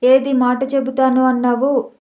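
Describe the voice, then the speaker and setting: A woman's voice: high-pitched, monotone, a little slow, warm tone. A woman voicing a proud young husband who sulks and demands answers in a storybook reading. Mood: demanding.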